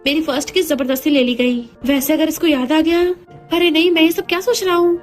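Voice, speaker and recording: A woman's voice: sits high, steady tone, brisk, soft background music, lightly acted. A woman voicing a cocky, bossy young man who teases the woman he married, in a retold drama scene. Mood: teasing. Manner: teasing, bossy. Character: cocky young male heir, teasing and bossy.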